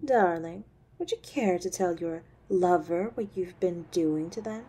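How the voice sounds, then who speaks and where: Husky, haughty demon mother, acted by a woman. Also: fairly low pitch, unhurried, mellow. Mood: mocking, condescending. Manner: imperious, mocking, menacing. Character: haughty, cruel centuries-old succubus demon mother. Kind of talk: scripted audio roleplay acting.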